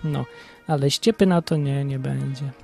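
A man's voice: mid-range voice, normal speed, vocal fry, dark tone, soft background music. A man hosting his own podcast in a rambling, self-ironic casual monologue. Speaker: podcast host.

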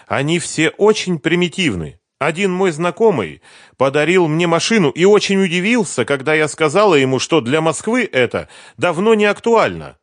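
Male reader doing a coy twenty-something woman singer, raised voice, lively rise and fall, dry close sound. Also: on the high side, moderate pace, no echo, pitched above the performer's own voice. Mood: coaxing. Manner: sighing, persuasive, lightly complaining. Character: young woman pop singer, 23, coy and calculating.

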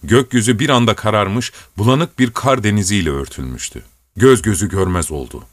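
Low-voiced male audiobook narrator. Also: no room sound. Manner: measured, storytelling. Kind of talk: scripted narration.

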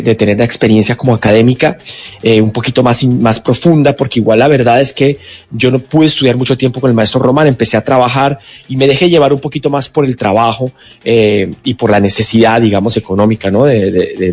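In a radio studio, a Colombian actor in his forties chats in a relaxed way as a guest on a radio interview. He talks fast at a medium pitch, with many restarts.

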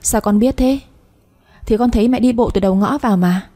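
A woman voicing a blunt, outspoken young sister-in-law in a read-aloud story, with a mocking, sharp-tongued manner. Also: a little high, brisk, pitched above the performer's own voice, lightly acted. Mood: teasing.

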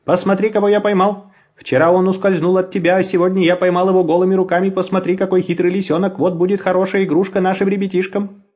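A boisterous farmer in a storybook calls out in a raised, higher voice, played by a male reader. He booms with hearty cheer, though his tone stays dark and husky. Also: level tone, fairly quick. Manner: loud and boisterous. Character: loud hearty farmer man.

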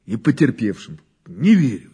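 A man's voice: medium pitch, big pitch swings, moderate pace, warm tone, slightly rough. An actor in an audio drama playing a dogged, sceptical police investigator who questions insistently and repeats his words. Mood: doubtful, troubled.

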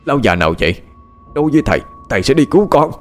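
A man's voice: mid-range voice, big pitch swings, racing, faint music behind, voice pushed up, close to an everyday voice. A man voicing an anxious grieving old teacher. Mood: urgent. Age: older. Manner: choked, urgent questioning.

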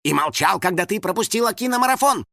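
A man doing a shouty indignant house spirit. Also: sits high, huge pitch swings, measured pace, no room sound, studio quality, voice pushed up, full character voice. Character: excitable male house spirit, cheeky and indignant. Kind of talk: audiobook character voice.

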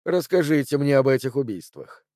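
A man voicing a sharp, confident detective in an audiobook, speaking precisely and a little louder than his narration. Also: medium pitch, lively intonation, normal speed, dry recording, clean studio sound, lightly acted. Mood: assured. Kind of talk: audiobook character voice.

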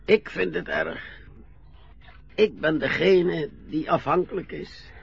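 Slow, creaky-voiced proud old sea captain. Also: male voice, a little high, full character voice. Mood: wounded, tearful. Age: older. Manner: halting, repeating words, gruff and folksy. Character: proud old retired sea captain, dependent and easily tearful. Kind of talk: naturalistic Dutch radio play acting. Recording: dull, muffled old radio recording.

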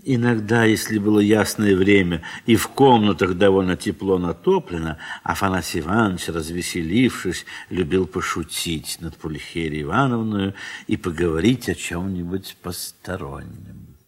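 An actor as a reflective, affectionate literary narrator in an audio drama. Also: male voice, low voice, normal speed, husky. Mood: fond, reflective. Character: reflective, affectionate male literary narrator recalling old friends.

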